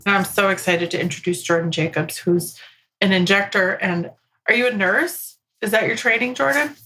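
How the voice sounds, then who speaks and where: A woman's voice: medium pitch, moderate pace, sharp tone, soft background music, rough recording. A woman in her forties hosting a casual podcast interview, asking friendly, curious questions with dry little asides. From New York, USA. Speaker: podcast host.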